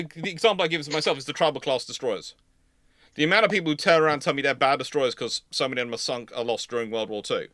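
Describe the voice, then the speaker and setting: Bright, forceful man explaining history emphatically. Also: mid-range voice, dry recording, studio quality. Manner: opinionated, emphatic, digressive explaining. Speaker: host, naval historian. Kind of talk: live question-and-answer discussion.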